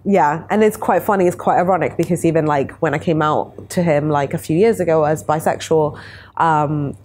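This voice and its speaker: Low-voiced young woman, candid and chatty. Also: moderate pace, a little mellow, a little hiss or hum. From Italy. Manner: candid, chatty, laughs easily. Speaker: panel guest. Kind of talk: casual discussion. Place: bright studio room, city view.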